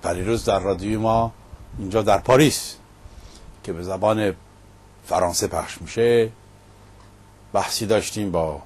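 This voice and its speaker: A middle-aged man hosting a monologue show, recounting a debate in an emphatic storytelling manner. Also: fairly low pitch. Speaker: host. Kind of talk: casual monologue. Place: Paris.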